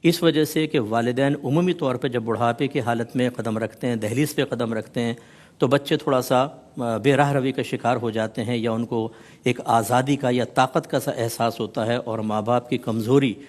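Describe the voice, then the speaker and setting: A male religious scholar explains his teaching on a television talk show. He speaks in a measured way and builds rhythmic lists of points. His mid-range voice is sprinkled with English words. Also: mid-range voice, steady tone, darkish tone.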